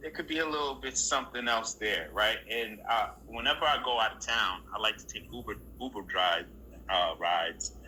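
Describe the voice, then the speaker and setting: Animated storytelling man, bright voice. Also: moderate pace, a little hiss or hum, poor audio. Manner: animated, jumps up in pitch for quoted lines. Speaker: actor telling a set story. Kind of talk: casual storytelling.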